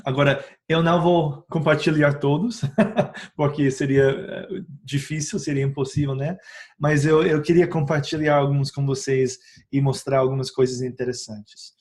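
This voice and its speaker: A man speaking a learned second language in a casual teaching video about essential oils, pausing often on filler sounds, correcting himself and checking in with the viewer. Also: mid-range voice, fairly even intonation, a little mellow. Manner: hesitant, frequent filler sounds and tag questions.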